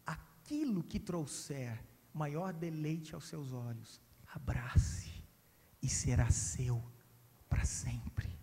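Brazilian man as a gentle fatherly king, soft and whispery, echoing hall. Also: on the high side, expressive, voice pushed down. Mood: tender. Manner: soft, slow, dropping to a whisper. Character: gentle loving old king, fatherly and tender. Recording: reverberant church hall.

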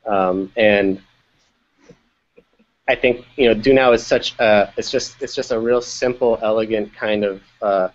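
A man's voice: on the low side, steady tone, unhurried. A man who produces education media, talking casually on a video call and often restarting his phrases. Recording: dull lo-fi video call audio.

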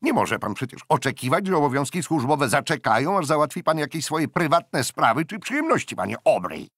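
A man doing a loud, scolding naval commander. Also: on the high side, very animated, a little fast, no room sound, clean studio sound, voice pushed up, full character voice. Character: gruff, short-tempered naval commander, older man. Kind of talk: audiobook character voice.

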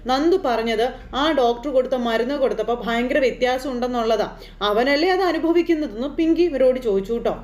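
A woman's voice: on the high side, fast, a little mellow, roomy sound. A woman chattily retelling a TV serial episode, rambling with fillers and tag words. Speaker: serial recap narrator.

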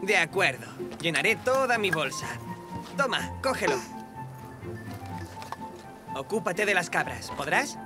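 A woman voicing a plucky, confident young goatherd boy in an animated series, brisk and a little cocky. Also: fairly low pitch. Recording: loud music behind the voice.

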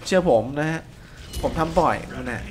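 A young man giving casual, excitable gameplay commentary and teasing his co-player. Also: a little high, fairly quick. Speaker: game commentator. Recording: faint background noise.

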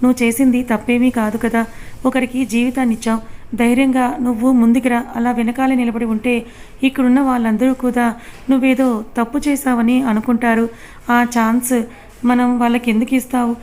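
A woman voicing a gentle, guilt-ridden older mother-in-law in a read-aloud story, soothing and coaxing. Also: on the high side, little pitch movement, fairly quick, close to an everyday voice.

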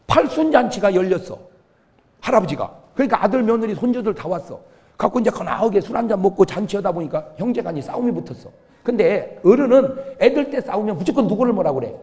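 A male pastor delivering a humorous revival sermon, telling stories and acting out the quotes. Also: sits high. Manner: lively storytelling with acted-out quotes. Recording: long reverb of a church hall.

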